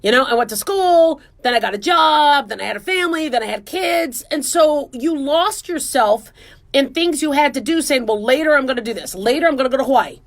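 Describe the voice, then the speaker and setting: A woman's voice: sits high, animated, a little fast. A woman in her forties hosting a radio show, chatting in a casual, self-mocking, joking way. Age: 40s. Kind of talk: casual talk radio monologue.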